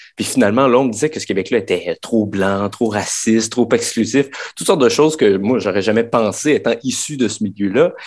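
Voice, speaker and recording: A man's unremarkable speaking voice at a medium pitch and a fairly quick pace, with ordinary pitch variation, in a very clean recording with a silent background. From Quebec City region, Quebec. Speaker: author. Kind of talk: interview.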